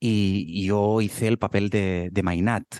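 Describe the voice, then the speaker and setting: Against a quiet background, a man speaks in an ordinary speaking voice at fairly low pitch, his intonation fairly even and the sound dry and close with no echo. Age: 30s. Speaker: musical theatre actor and musician. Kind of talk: casual chat.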